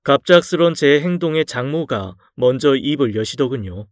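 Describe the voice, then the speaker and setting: A man narrating a dramatized true story in a calm, confessional first-person way. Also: medium pitch, moderate pace, no room sound, studio quality.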